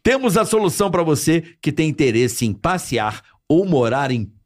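A middle-aged man with a very animated, swooping delivery hosts a talk show. He banters loosely and slips into sponsor plugs, using casual street slang throughout. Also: fairly high pitch, moderate pace. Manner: informal street slang with swearing. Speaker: talk show host reading sponsor spots.

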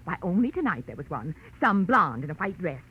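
A low, husky American busybody spinster, prim and scandalized, her chatter swooping wildly. She is a gossipy neighbor in a 1940s radio play, heard on a muffled old recording. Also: big pitch swings, a little fast, heavily acted. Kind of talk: 1940s radio character acting.

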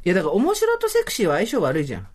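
A woman co-hosting a casual podcast talks at a brisk clip. Her pitch swings widely as she jokes around. She keeps the chat animated and now and then slips into playful voices. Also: slightly rough. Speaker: podcast co-host.

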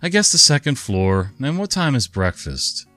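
A man's voice: medium pitch, very animated, moderate pace, pushed and bright, no room sound, voice pushed up. A man voicing a tired, entitled, sighing hotel guest who complains about everything.

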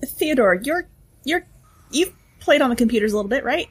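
A woman playing a tabletop game in character, lively and quick to swear. Her voice is fairly high and swings widely in pitch, with a husky edge. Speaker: player.

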